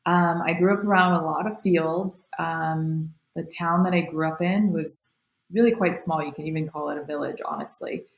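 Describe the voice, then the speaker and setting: Low-voiced woman, reflective podcast guest. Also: steady tone, normal speed, creaky, roomy sound. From Taiwan. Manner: reflective, many fillers. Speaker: guest, nonprofit founder. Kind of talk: podcast interview.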